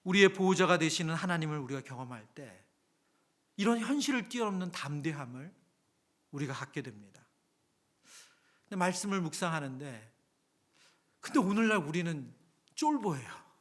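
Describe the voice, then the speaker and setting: A man preaching a Friday evening sermon in a church sanctuary, his voice pitched high and ringing bright. He keeps it conversational and acts out everyday scenes. He swings from loud exclamations down to hushed whispers. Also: expressive, normal speed, long pauses. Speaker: pastor.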